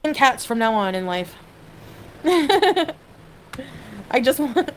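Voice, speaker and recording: A woman's voice: sits high, sing-song, slow pace, slight background noise, low-quality recording. A woman from Canada chatting on a livestream, hesitant and rambling, with lots of fillers as she reads viewers' comments. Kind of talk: casual livestream chat.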